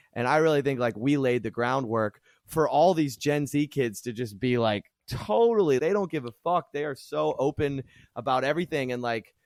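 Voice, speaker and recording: With an American accent, a man of medium pitch speaks in an animated tone at a moderate pace, his pitch variation ordinary and the sound dry and close with no echo. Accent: Pittsburgh accent, toned down. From Western Pennsylvania, Pittsburgh. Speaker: jazz trumpeter and vocalist. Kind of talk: podcast interview.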